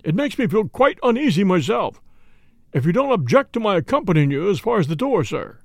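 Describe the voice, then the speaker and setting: A man's voice: high-pitched, big pitch swings, a little fast, creaky, no room sound, studio quality, exaggerated voice. A man voicing a proper, deferential butler in an audiobook, formal and servile, easily shocked. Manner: formal, servile, punctuated with "sir". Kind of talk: audiobook character dialogue.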